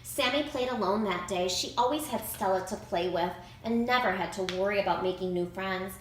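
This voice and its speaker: A woman reading a children's picture book aloud in an expressive, emphatic way. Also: mid-range voice, normal speed. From United States. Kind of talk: read-aloud storybook narration. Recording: roomy echo, clear background noise.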